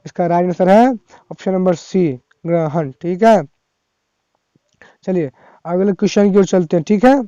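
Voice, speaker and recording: High, smooth-voiced male teacher. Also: steady tone, normal speed, long pauses, warm tone, dry recording, dull audio. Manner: reads each question twice, then prompts students to comment; chatty, coaxing. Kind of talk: exam revision lesson, reading quiz questions aloud.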